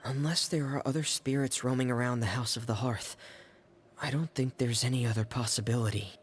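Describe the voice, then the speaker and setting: A man voicing a reserved, earnest young man who speaks softly and hesitantly. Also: mid-range voice, fairly even intonation, fairly quick, slight background noise, lightly acted. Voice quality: soft-spoken, hesitant.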